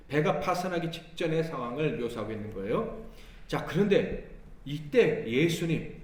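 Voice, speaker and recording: A Korean pastor preaches a Sunday sermon with a lively voice that rises and falls. He acts out the lines of the story and keeps putting questions to the listeners. He sits somewhat high in pitch and sounds distant in an echoey church hall. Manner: animated preaching that acts out Jesus' and the disciples' words; asks the congregation questions. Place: church sanctuary.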